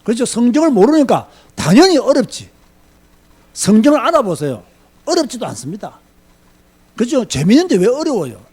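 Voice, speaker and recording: A man's voice: very high-pitched, sing-song, brisk, long pauses, a little mellow, husky. A man pastor giving an emphatic sermon-style Bible lecture, firing rhetorical questions and repeating key points.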